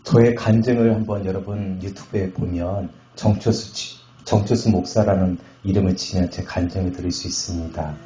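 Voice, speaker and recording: A middle-aged man from Chungcheong Province, a pastor giving a testimony sermon at a revival meeting, telling his story with jokes and loud bursts. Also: deep voice, fairly even intonation, normal speed, few pauses. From Chungcheong Province, Korea. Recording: echoey hall, slightly muffled sound.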